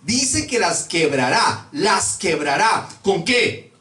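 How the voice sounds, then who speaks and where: A man's voice: high voice, big pitch swings, slow pace, pushed and bright, faint music behind. A man preaching a sermon with emphasis, drawing out and repeating key words. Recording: echoey room, voice from a distance.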